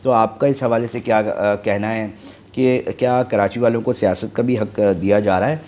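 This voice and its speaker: A man interviewing a guest, asking measured questions and often murmuring agreement. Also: fairly low pitch, fairly even intonation, a little mellow, a little hiss or hum. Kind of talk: political interview.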